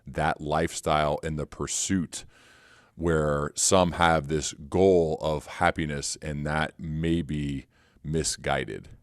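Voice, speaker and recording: A man's voice: a bass voice, fairly even intonation, takes it slowly, no echo, clean studio sound. A man hosting a podcast, asking long thoughtful questions and reading passages aloud to his guest. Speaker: podcast host. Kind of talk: interview hosting.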